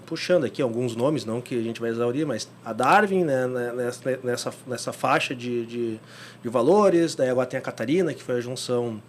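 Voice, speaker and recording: A man's voice: mid-range voice, a little hiss or hum. A man hosting an interview. He asks his questions in an informal, rambling way, with long lead-ins and many fillers. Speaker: podcast host, interviewer.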